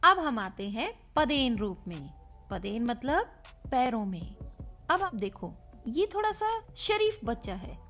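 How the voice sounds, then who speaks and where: A woman's voice: on the high side, big pitch swings, slow, a bit bright, faint music behind. A woman teaching a recorded Hindi grammar lesson, playful and speaking to pupils as children, spelling words out letter by letter.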